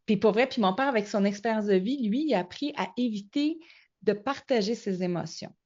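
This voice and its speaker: Animated Québécois woman telling stories. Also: mid-range voice, brisk. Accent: Québécois French. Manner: animated storyteller, acts out quoted dialogue. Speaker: guest. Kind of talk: casual storytelling interview. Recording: slightly muffled lo-fi audio.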